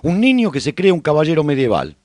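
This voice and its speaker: A man's voice: on the high side, very animated, fast, a little mellow. A man playing a haunted, reflective survivor who chronicles the apocalypse in theatrical, emphatic first-person radio-serial narration. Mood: reflective, troubled.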